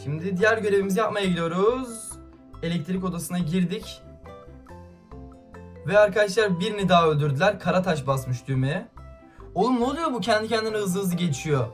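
A man's voice: sits high, animated, brisk, faint music behind. A man giving gameplay commentary to his viewers, irritated and ranting, hurling insults at another player. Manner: talks straight to viewers. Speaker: gaming YouTuber.

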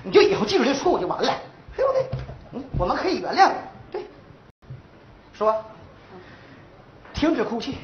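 A man's voice: extremely high pitch, very animated, normal speed, pauses often, slight background noise. A young man, playing a brash, boastful boyfriend in a stage comedy sketch. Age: young adult. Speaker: daughter's boyfriend. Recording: roomy, dull stage recording.

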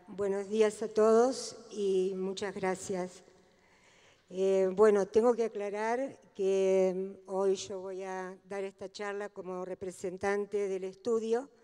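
Slow, halting woman lecturing. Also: mid-range voice, level tone, mellow, clear, resonant tone. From Argentina. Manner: halting, thinking aloud with many pauses. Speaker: architect giving a lecture. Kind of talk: lecture talk, hesitant with many fillers. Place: large stage at an event hall. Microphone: handheld mic at a lectern. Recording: long hall reverb.

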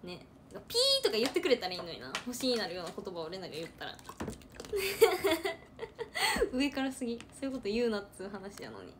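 Chatty Kansai young woman, lively pitch. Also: a little fast, background noise. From Hyogo, Japan. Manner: chatty, animated, repeats words for emphasis. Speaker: idol trainee livestreamer. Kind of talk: casual livestream chat reading comments.

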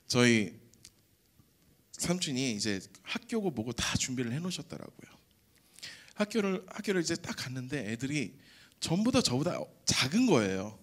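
A young man giving an animated testimony at a church prayer service, telling his story with jokes and acted-out voices. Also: mid-range voice.

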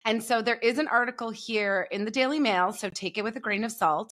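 Young female guest, bright crisp voice, gossipy and chatty, video call from home. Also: a little high, brisk. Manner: chatty, gossipy, laughs easily. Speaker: podcast guest. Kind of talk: casual pop culture chat. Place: home room. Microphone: video call with earbuds.

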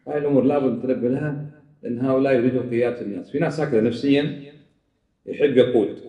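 A man's voice: fairly high pitch, warm tone. Man preaching in an echoey room. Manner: scolding, rhetorical, mocks opponents' arguments. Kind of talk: religious lecture. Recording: echoey room, speaker far from mic.

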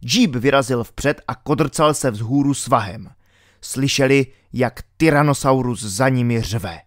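A male audiobook reader tells a thriller with steady, dramatic delivery. His voice sits at a middle pitch and is recorded close and dry, with no room sound. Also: dry recording. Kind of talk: audiobook narration.

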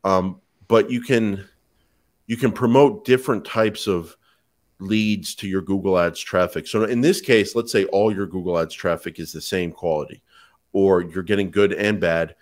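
Male podcast co-host, thirties, low-pitched voice, explanatory and conversational. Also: steady tone, moderate pace. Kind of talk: conversational explanation of online advertising. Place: home kitchen, indoors.

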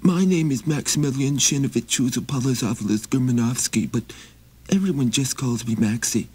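A man voicing a poor, ragged young reindeer trainer who pleads politely in a high, quick, tumbling voice. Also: darkish tone, husky, close to an everyday voice. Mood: eager. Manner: pleading, fast tumbling words.

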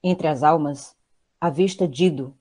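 A woman's voice: low voice, a little slow, mellow. A woman with a Brazilian accent giving scripted dramatic narration as the storyteller of an audio drama.

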